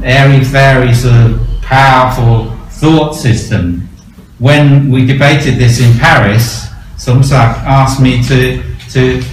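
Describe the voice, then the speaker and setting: A man's voice: mid-range voice, darkish tone, a little hiss or hum. A man on a seminar panel debating, firm and argumentative, with many ums and restarts. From Thailand. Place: seminar hall. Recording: echoey hall, far from mic.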